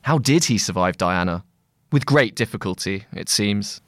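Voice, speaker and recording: A man reading a scripted long-form article aloud in a measured, articulate, literary manner. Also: on the low side, expressive, dry recording, clean studio sound. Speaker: narrator of a long-read magazine article.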